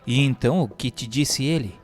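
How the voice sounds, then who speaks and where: A man's voice: medium pitch, normal speed, faint music behind, natural voice. A man acting a concerned friend giving earnest counsel in a radio drama, with formal, questioning speech. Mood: earnest, advising.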